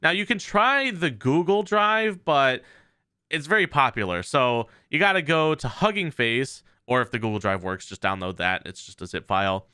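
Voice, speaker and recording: A man's voice: mid-range voice, animated, moderate pace, bright, forceful tone, clear, resonant tone, dry recording. A man presenting a tech tutorial in a casual, conversational way, explaining step by step into a close mic. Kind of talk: casual software walkthrough.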